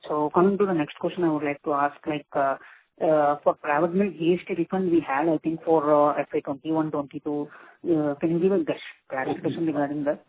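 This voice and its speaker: A man's voice: on the high side, fairly even intonation, quick pace, breathy edge. A man with an Indian accent, an analyst asking questions as a caller on an earnings call. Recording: noisy tinny phone line.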